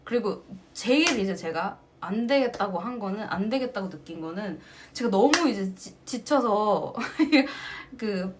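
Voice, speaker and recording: A woman's voice: mid-range voice, measured pace, hardly any pauses, noisy background. A woman singer casually chatting with her fans on a livestream, telling stories with frequent laughter, recorded on a phone mic. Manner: animated storytelling, often breaking into laughter. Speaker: singer hosting a fan livestream.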